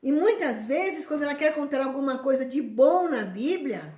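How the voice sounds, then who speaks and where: High-voiced woman preaching. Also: normal speed. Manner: animated, acts out complaining voices. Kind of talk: sermon. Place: church hall. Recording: echoey church room.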